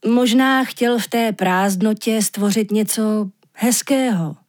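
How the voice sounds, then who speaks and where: A woman's voice: mid-range voice, a little mellow, no echo, clean studio sound, natural voice. Woman doing a grouchy blunt man. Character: grouchy, plain-spoken man.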